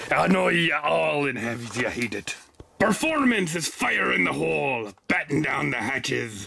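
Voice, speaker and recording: A man puts on a character voice, keeping a medium pitch and a moderate pace. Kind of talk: fireworks product demo. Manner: playful, hammy.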